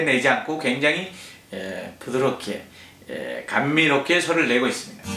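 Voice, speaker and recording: A man's voice swings very widely in pitch at a moderate pace, with music in the background. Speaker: opera tenor and vocal coach. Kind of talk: music analysis commentary to camera.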